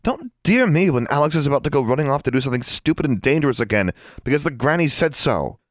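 A man's voice: medium pitch, animated, takes it slowly, mellow, dry recording, studio quality, pitched above the performer's own voice. A man voicing a fiery, anxious teenage girl, indignant and emotional, in a storybook reading. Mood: angry.

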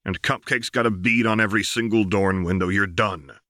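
A man's voice: fairly low pitch, steady tone, brisk, sharp tone, dry recording, studio quality. A man voicing a tough, desperate young woman fighter, a protective older sister, blunt and strained in an audiobook. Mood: warning. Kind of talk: audiobook character voice.

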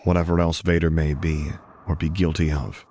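A man's voice: extremely low pitch, little pitch movement, moderate pace, a little mellow, a little hiss or hum. A man reading scripted fiction aloud as an audiobook narrator.

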